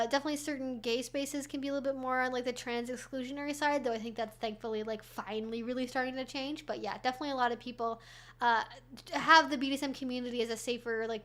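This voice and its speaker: A woman's voice: on the high side, fairly bright tone. A young woman hosting a casual livestream Q&A, rambling and chatty, answering chat questions with lots of fillers and restarts.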